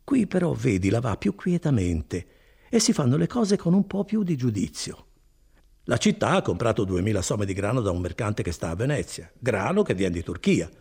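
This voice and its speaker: Guy doing a chatty big-hearted old cousin, gravelly low voice that bounces all over, folksy and chuckling. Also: normal speed, full character voice. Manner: animated, folksy storytelling with chuckles. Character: chatty good-hearted older male cousin, a mill foreman.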